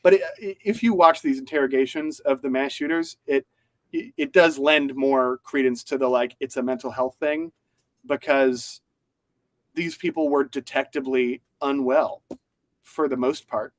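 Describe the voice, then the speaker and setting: A man's voice: mid-range voice, moderate pace, no room sound, poor audio. A man co-hosting a podcast, talking through news in a rambling casual way with many fillers and restarts. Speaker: podcast co-host.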